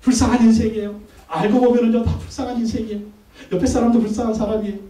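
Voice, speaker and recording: High-voiced preaching man, echoey hall. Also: little pitch movement, very fast, warm tone. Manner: emphatic, repetitive rhetorical questions, call-and-response. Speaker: pastor. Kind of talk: sermon. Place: church sanctuary. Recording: echoey hall, mic from far off.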